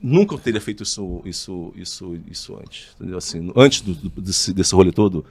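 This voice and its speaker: A man's voice: low voice, moderate pace, breathy edge. A man telling a sales story as a podcast guest, acting out both sides of the conversation. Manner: animated, acts out both sides of dialogues. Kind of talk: casual storytelling in an interview.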